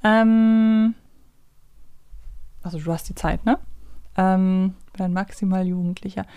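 A woman's voice: medium pitch, steady tone, unhurried, mellow, clear, resonant tone, dry recording. A woman chatting casually as a co-host playing a guessing game. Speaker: podcast co-host.

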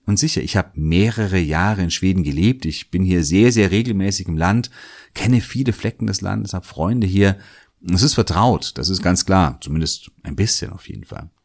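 Podcast host, man, German native speaker, very low voice, reflective monologue with gentle hesitations. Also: moderate pace. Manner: thoughtful, musing, hedges and repeats words.

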